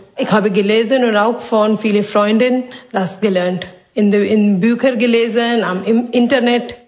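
A woman talks at a fairly slow pace with fairly high pitch and fairly even intonation. Audible room echo surrounds her voice. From India. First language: Indian language (speaking German). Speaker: immigrant mother. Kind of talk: testimony.

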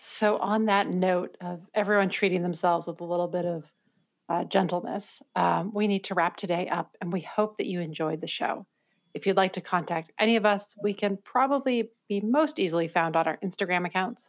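A woman has an ordinary speaking voice, with medium pitch, ordinary pitch variation and a moderate pace. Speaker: podcast host. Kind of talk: casual interview chat.

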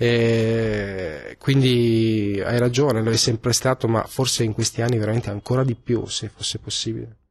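Hardly any pauses break this man's moderate pace. He talks at medium pitch with fairly even intonation. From Italy. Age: 30s. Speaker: jazz drummer. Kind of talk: interview. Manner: halting with fillers.

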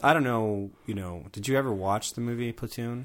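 This man has an ordinary speaking voice, with ordinary pitch variation and a moderate pace. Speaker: podcast host and filmmaker. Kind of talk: interview.

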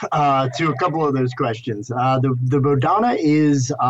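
Noticeable background noise fills the recording. A man speaks at a fairly high pitch. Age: 40s. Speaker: therapist and charity director. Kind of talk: interview.

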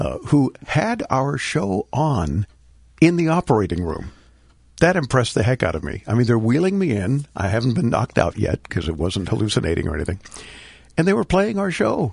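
In a dry, close sound with no echo, a man with vocal fry speaks at a fairly quick pace, his medium pitch swinging very widely. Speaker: radio talk show host. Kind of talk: casual chat. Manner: not projecting much.

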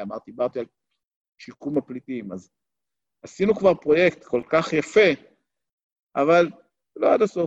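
A man's high voice comes at a moderate pace, with a dry, close sound and no echo. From Israel, western Negev. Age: 50s. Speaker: author and retired civil administration officer. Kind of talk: podcast interview.

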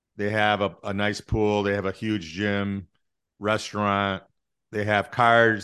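A man's fairly low voice at a moderate pace against a quiet background. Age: 60s. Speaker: financial advisor. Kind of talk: casual interview. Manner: halting.

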